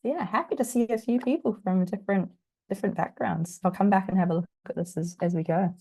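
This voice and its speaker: A woman from New Zealand with a husky, croaky voice, still getting over an illness, presenting an online workshop in a chatty, self-deprecating way with plenty of fillers. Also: medium pitch, fast, darkish tone. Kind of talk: casual online workshop talk. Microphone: video call.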